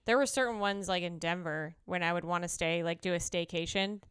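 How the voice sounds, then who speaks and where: Chatty young woman with a smooth voice. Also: lowish voice, fairly quick, fairly bright tone, no room sound, clean studio sound. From United States. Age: 20s. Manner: chatty, many fillers, laughs often. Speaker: podcast co-host. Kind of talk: casual chat.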